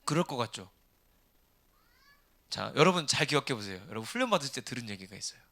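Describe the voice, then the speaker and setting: A man in his thirties preaching a sermon, asking the congregation rhetorical questions in an animated way. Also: mid-range voice, quick pace. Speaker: pastor.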